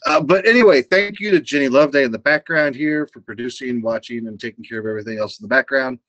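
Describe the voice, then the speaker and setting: A quiet, soft-spoken man hosting a live-stream chat, talking hesitantly with many fillers. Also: medium pitch, fast, no room sound, lo-fi sound. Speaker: host.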